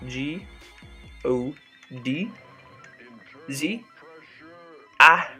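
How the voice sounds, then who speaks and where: A man's voice: a little high, extremely slow, pushed and bright. A young man hosting a let's play, chatting and joking over the game with lots of ums, into a desk microphone. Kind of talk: gameplay commentary. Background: faint background music.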